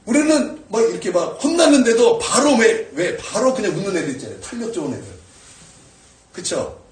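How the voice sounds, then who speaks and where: Male preacher, high and very animated, shouting prayers then dropping low; roomy sanctuary sound, distant mic. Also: fairly quick. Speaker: pastor. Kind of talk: sermon. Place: church sanctuary.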